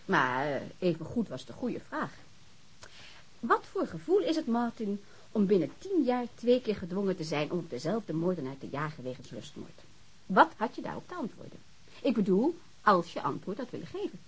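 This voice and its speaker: A woman's voice: medium pitch, moderate pace, slightly rough, low-quality recording. An actress playing a detective's candid, teasing woman confidante in a Dutch radio drama. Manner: animated, teasing.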